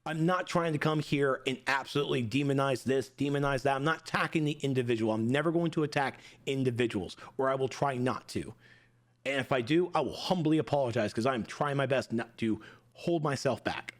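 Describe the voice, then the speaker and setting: A man's voice: medium pitch, fairly quick. A man in his forties, a gaming streamer, giving a heated, emphatic opinion rant straight to his viewers. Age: 40s.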